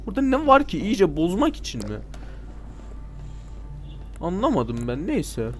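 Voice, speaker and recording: A man with a voice pitched a little above average talks his way through a video game in loose, casual commentary. He grumbles sarcastically at the characters, argues with them, and breaks into sudden shouts when something goes wrong. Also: moderate pace, faint music behind. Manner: excitable, talks back at game characters, sudden loud outbursts. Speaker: let's play gamer.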